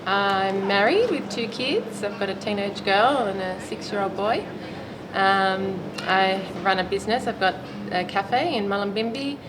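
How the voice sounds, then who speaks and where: Against a noisy background, a woman in her late thirties who plays roller derby gives casual interview answers, occasionally laughing. She speaks a little slowly in an expressive, medium-pitched voice.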